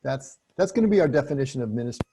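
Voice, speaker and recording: A man leading a group book study, explaining passages in a relaxed, chatty way with frequent restarts. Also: mid-range voice, very fast, slight background noise.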